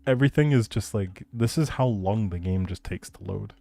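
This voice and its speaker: A man's voice: on the low side, normal speed, vocal fry, dark tone, no room sound. A man chatting casually with viewers as a live game streamer, in a laid-back, informal and reassuring way. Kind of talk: casual livestream chat with viewers.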